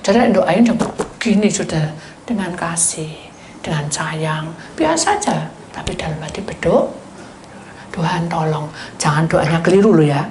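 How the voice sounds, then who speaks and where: A woman pastor preaching and telling stories, animated, dropping into whispered asides while addressing the congregation. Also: on the low side, moderate pace. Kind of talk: sermon with storytelling. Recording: roomy hall echo, faint noise.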